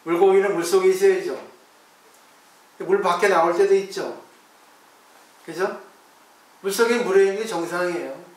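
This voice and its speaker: A man's voice: high-pitched, moderate pace, long pauses, distant mic. A man, a Buddhist monk, giving a conversational dharma talk and asking his listeners rhetorical questions. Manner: acts out his own replies to disciples. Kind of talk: dharma talk on a Zen text. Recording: very echoey room, voice from off the mic.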